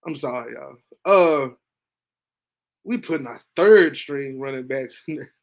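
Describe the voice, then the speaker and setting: A man hosting a sports podcast in a loose, talkative reaction style. His delivery swings widely, sinking into low asides and jumping up into excited, high-pitched bursts. His voice sits at a middling pitch for a man. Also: unhurried, vocal fry. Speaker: podcast host. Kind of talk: casual sports reaction monologue.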